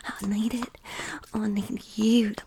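A woman in an intimate adult audio roleplay, speaking in a breathy, often whispered voice with a sensual, coaxing delivery. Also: medium pitch, flat delivery, unhurried, dark tone, a little hiss or hum. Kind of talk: erotic audio roleplay, intimate address to listener.

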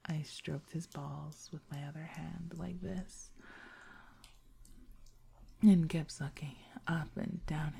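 A woman voicing a playful, devoted girlfriend, speaking in a hushed, whispery way. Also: lowish voice, vocal fry, slightly rough, heavily acted. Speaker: voice actress in an intimate audio roleplay. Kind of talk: intimate whispered roleplay.

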